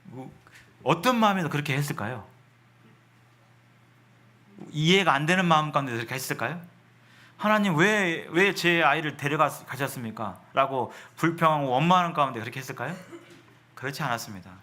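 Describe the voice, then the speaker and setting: A man preaching a sermon. He asks questions and answers them himself, reads scripture slowly and often restarts words. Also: on the high side, lively intonation, sharp tone.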